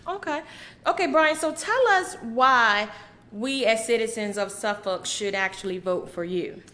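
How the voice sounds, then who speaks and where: A woman hosting a podcast interview, upbeat and chatty, jumping in with quick remarks. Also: on the high side, bright, forceful tone. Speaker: podcast host.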